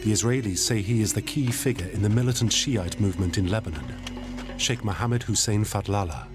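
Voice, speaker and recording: A man giving measured, grave scripted narration for a documentary. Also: lowish voice, over loud music.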